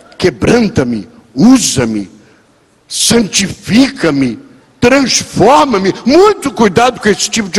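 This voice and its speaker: With very wide pitch swings, a man talks at a fairly slow pace in a high pitch. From Rio de Janeiro, Brazil. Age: 60s. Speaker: pastor. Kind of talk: sermon. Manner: storytelling.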